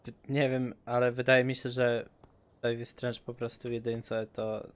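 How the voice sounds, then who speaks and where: A man's voice: medium pitch, level tone, measured pace, smooth. Joking, swearing gaming streamer man. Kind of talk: casual let's-play commentary.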